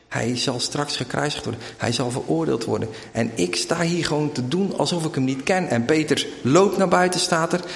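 A man's voice: mid-range voice, creaky. A man from Zeeland with a light Zeeuws-Vlaams accent, preaching a sermon and retelling the story emphatically, acting out the quoted lines. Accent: Zeeuws-Vlaams Dutch. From Zeeland, Netherlands. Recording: echoey hall with long reverb.

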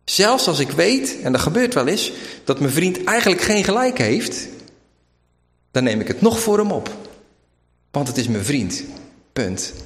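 In a hall full of long, echoing reverb, a preacher from Zeeland retells the story forcefully, acting out the quotes, in lightly accented Zeeuws-Vlaams Dutch. His voice sits a little high and swings widely in pitch. He is unhurried and leaves long pauses.

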